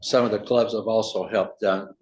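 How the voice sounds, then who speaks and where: A man's voice: fairly low pitch, fairly even intonation, moderate pace. A man speaking informally at a public meeting, often trailing off with "so" and "you know.". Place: county meeting room. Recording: echoey room.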